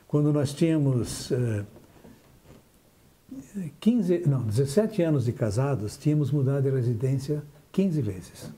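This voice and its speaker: An older man from southern Brazil with a very dark, mellow voice, reminiscing about his past as a TV interview guest. He speaks reflectively, restarting and trailing off as memories come back. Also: mid-range voice, animated, unhurried. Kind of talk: recalling his life in an interview.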